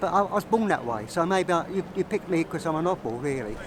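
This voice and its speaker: Noticeable background noise under a fairly quick pace of speech. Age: 70s. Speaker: painter and model, street interviewee. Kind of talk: street interview. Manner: halting, repeats words.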